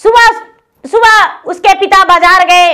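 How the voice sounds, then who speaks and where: At a very slow pace, a raised, projected voice carries fairly even intonation over a quiet background. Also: woman. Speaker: religious storyteller. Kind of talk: devotional story narration.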